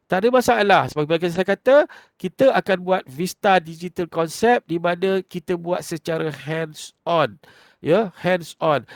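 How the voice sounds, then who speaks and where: A man's voice: high-pitched, no room sound, clean studio sound. A man with a Malaysian Malay accent teaching online marketing step by step in a conversational way, with frequent fillers and self-corrections. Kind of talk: instructional talk.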